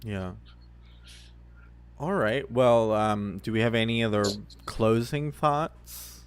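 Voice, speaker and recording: A man's voice: mid-range voice, takes it slowly, clear, resonant tone. A man hosting a casual group discussion in a conversational style. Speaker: podcast host. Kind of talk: casual chat.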